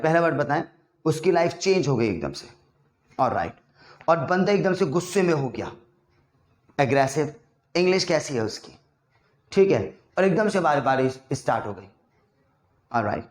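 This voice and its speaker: A man in an echoey room gives a lively vocabulary lesson. His voice sits a little high for a man, and he acts out small scenes and quizzes his listeners as he goes. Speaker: English vocabulary teacher. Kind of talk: casual Hindi lesson with acted-out examples.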